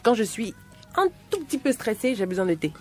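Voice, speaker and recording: A woman's voice: on the high side, very animated, darkish tone, faint music behind. Hesitant woman, radio show guest. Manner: halting, repeats words while searching. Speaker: singer, studio guest. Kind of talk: casual talk show banter. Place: radio studio.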